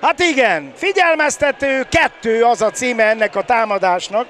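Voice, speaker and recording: An older man doing excited sports commentary, often shouting and repeating words. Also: high voice. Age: older, around 70. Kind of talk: excited Hungarian futsal commentary. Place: balcony of a large indoor sports hall. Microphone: headset. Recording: background noise of a sports hall.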